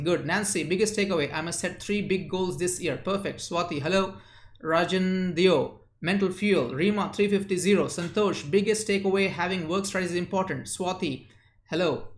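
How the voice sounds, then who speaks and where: A man's voice: sits high, echoey room. A man from India hosting a live stream, reading viewers' chat messages aloud and answering them with lots of uh fillers. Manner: chatty, reads chat names and answers quickly, frequent uh fillers. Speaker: live-stream host and memory coach.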